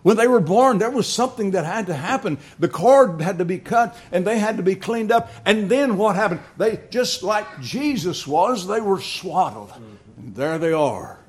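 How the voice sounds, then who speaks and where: This older man's sermon is built on family stories, delivered in a halting manner full of restarts and chuckles. His voice sits high and is expressive.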